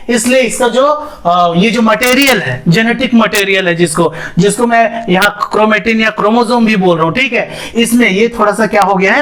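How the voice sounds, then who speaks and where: A man's voice: high voice, fairly bright tone. A young man teaching a biology lesson, asking questions and answering them himself, mixing English terms into his speech. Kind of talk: classroom lesson with whiteboard.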